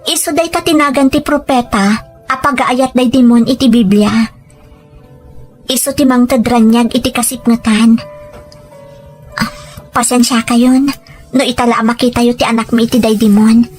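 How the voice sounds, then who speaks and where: A woman acts out a humble young mother in a radio drama, with a notably high voice. She is anxious, earnest and deferential, and soft music plays behind her. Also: steady tone, moderate pace, long pauses, close to an everyday voice. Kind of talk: Filipino radio drama acting.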